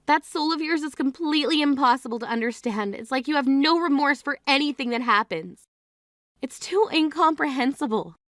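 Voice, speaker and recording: A woman's voice: sits high, expressive, normal speed, fairly bright tone, no room sound, studio quality. An actress playing a grieving sister who scolds her self-absorbed sibling in a blunt, exasperated way. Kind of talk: scripted drama acting.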